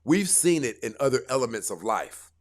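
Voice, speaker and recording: A man talks straight to his audience, his pitch jumping up and down as he lectures. He sounds casual and preachy, like a host of a live stream. His voice sits in an ordinary middle register. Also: normal speed. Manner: lecturing, animated, addresses viewers directly. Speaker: host of a dating advice stream.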